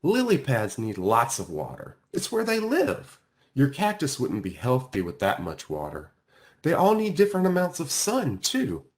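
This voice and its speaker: Guy doing an earnest little school girl in a storybook, kinda plaintive, pitch jumps all over. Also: huge pitch swings, moderate pace. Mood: curious, earnest. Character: earnest young schoolgirl, sensitive and curious.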